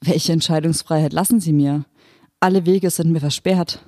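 Reader doing a pregnant mother, pleading, shaky, higher pitched, mellow tone, dry sound. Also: fairly even intonation, moderate pace, no room sound, close to an everyday voice. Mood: distraught. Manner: pleading, pressed, voice shaking. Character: desperate pregnant mother pleading for her children. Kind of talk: audiobook character voice.

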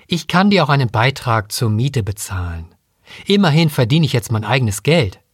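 A man's voice: mid-range voice, big pitch swings, normal speed, breathy edge, dry recording, clean studio sound. A man voicing a cheerful, cocky male robot chimpanzee who talks in a breezy, cheeky way.

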